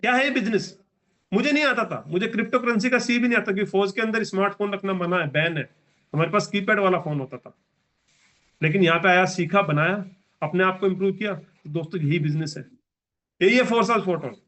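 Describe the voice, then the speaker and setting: A man's voice: sits high, brisk, fairly bright tone. A man in his forties giving a motivational business training speech, emphatic and repetitive as he exhorts the audience. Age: 40s.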